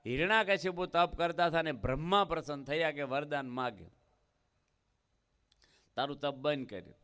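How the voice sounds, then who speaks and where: A man's voice: a little high, normal speed, a bit bright. A man with a Gujarati accent giving a devotional discourse as a swami, telling scripture stories in a folksy way, acting out their dialogue and asking the audience questions.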